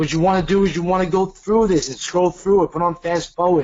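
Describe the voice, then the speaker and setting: This man's voice is high in pitch, with ordinary pitch variation. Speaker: ads trainer. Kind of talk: live webinar training. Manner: fast; animated.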